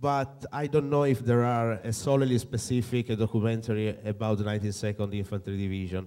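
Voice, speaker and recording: With hardly any pauses, a man of medium pitch speaks in a dark, mellow tone and fairly even intonation. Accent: Italian. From Italy. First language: Italian. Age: young. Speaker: documentary filmmaker. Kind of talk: guest lecture. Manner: halting, many fillers.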